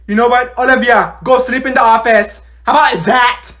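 A woman's voice: a little high, steady tone, normal speed, a bit bright, natural voice. A woman playing a bossy, falsely cheerful schoolteacher in a comedy classroom skit, with a snappy sing-song manner. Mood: stern, sassy. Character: bossy, fake-cheerful female schoolteacher scolding her class.

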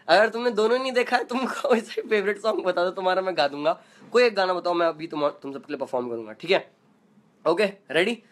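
A man's voice: high-pitched, a bit bright. A man chatting playfully and non-stop in a casual live video chat, reading out comments as a singer host. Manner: playful, joking.

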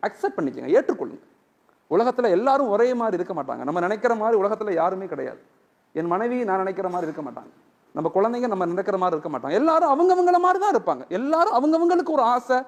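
High-pitched guy preaching a sermon, super animated, acts out the dialogue in his stories. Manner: animated storytelling, acting out dialogue. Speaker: Islamic preacher.

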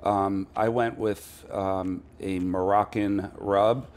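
A man's voice: low-pitched, slow, a little hiss or hum. A middle-aged man, a chef, casually talking through a recipe at a pub bar with plenty of ums and uhs. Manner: relaxed, many ums and uhs. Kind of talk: casual cooking demo.

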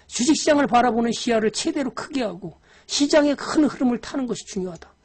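A woman's voice: fairly high pitch, animated, fast, a little mellow. A woman giving a live-streamed lecture on stock investing. She talks to viewers directly in a scolding, exasperated way, with frequent sighs.

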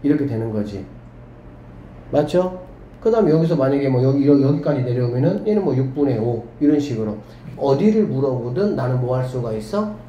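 A man's voice: mid-range voice, brisk, dull audio. Upbeat man teaching math in echoey classroom. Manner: lively, keeps checking in with students. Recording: echoey room with faint background hum.

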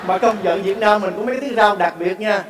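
An actor with a Southern Vietnamese accent playing a returned overseas Vietnamese man who protests excitably and slips into English words. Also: high voice, quick pace, close to an everyday voice. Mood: protesting. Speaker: comic actor on stage. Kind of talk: stage comedy sketch. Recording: roomy, distant mic with noise.

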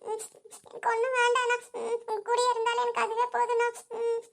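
A woman's voice: extremely high pitch, little pitch movement, rapid-fire, sharp tone. A woman voicing a tearful, pregnant young village sister in a cartoon, crying and pleading with a childlike whimper. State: crying, sobbing. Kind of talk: cartoon voice acting.

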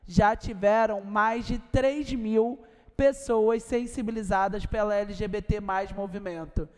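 A woman's voice: mid-range voice, fairly even intonation, a little slow, darkish tone. A woman, presenting formally as host of a ceremony. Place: large wood-panelled legislative chamber, indoors. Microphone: gooseneck desk microphone. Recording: echoey hall with long reverb.

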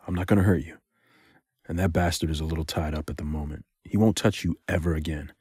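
A man's voice: very deep voice, steady tone, quick pace, a little mellow, husky, no room sound, studio quality. A man playing a flirtatious, protective spy with a hot temper in an audio drama. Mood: gentle, reassuring. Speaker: voice actor in a fan audio drama. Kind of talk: audio drama acting, intimate.

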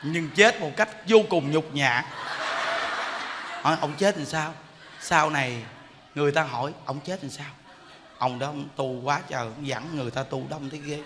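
A man giving a jokey, animated Buddhist sermon in a large temple hall, often laughing while he speaks. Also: on the high side, normal speed, pauses often, background noise. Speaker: Buddhist monk giving a dharma talk.

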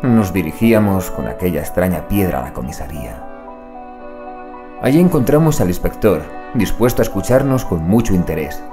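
An anxious, excitable male investigator acted by a man tells his tale in an audio drama. His voice is fairly low and swings widely in pitch, with dramatic, brooding storytelling over clear background music. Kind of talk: scripted audio drama narration and dialogue.

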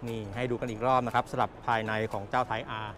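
A man's voice: medium pitch, flat delivery, fast, over music. Chatty man touring a car at an expo. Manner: chatty, repeats points, ends phrases with polite particles. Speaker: car show presenter. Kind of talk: casual walkaround car tour. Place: busy indoor motor expo hall. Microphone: handheld camera mic, presenter off camera.

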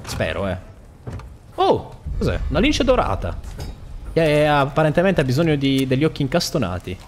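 A man's voice: on the high side, wildly swooping pitch, moderate pace, slight background noise. A young man giving joking gameplay commentary and mocking the enemies on screen. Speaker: gaming YouTuber.

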